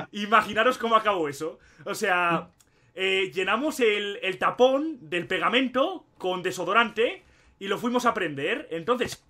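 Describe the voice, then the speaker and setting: A young man from Spain with a Spain Spanish accent, telling stories in excitable, slangy casual gaming commentary. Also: sits high. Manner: excitable storyteller, laughs often, slangy. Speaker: gaming YouTuber.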